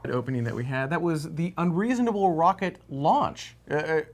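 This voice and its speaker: A man's voice: fairly high pitch, animated, a little fast. A man from Minnesota with a Minnesotan accent, co-hosting a live space podcast in a rambling, chatty way full of fillers. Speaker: podcast co-host. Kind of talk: casual live show chat.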